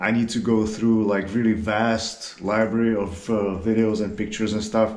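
A man at a moderate pace, with audible room echo. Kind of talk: casual vlog chat. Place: empty room. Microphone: camera far.

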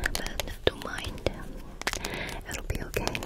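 A woman whispers. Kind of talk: soft-spoken role-play talk to the viewer. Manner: soft soothing close murmur. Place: home room. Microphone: studio mic.

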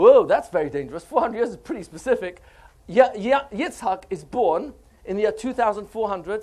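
His pitch is high and swings very widely. The man speaks at a moderate pace. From England, London. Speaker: rabbi and educator; rabbi, educator. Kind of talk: lecture. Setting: stage with audience. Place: meeting room.

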